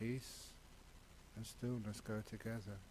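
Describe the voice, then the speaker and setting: A man speaks at a fairly slow pace in a fairly low pitch. His voice is somewhat breathy, with monotone, flat intonation. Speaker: Buddhist monk and meditation teacher. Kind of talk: guided meditation instruction. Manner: soft-spoken, slow, with long pauses.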